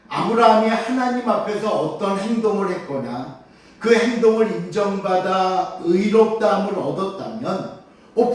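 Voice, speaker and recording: A male pastor preaching a Sunday morning sermon. He asks rhetorical questions and cues the congregation to read scripture aloud. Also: sits high. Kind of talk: Sunday morning sermon, expository Bible teaching. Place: church sanctuary during a worship service. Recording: very echoey church sound from a distant mic.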